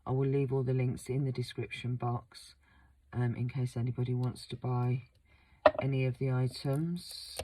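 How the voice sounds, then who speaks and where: Croaky woman chatting through a craft demo. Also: very deep voice, normal speed. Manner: relaxed, chatty, many ums. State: croaky, sore throat. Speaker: craft channel host. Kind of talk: casual craft demonstration.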